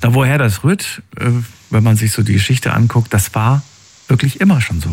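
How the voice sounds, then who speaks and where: A man's voice: mid-range voice, brisk, gravelly, husky. A man interviewing a guest in a casual conversation, asking long, hesitant questions full of fillers.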